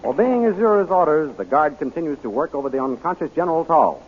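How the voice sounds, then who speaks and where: A man's voice: on the high side, very animated, fast talker. A man narrating a 1930s radio serial in scripted announcer style, on a tinny, hissy old recording.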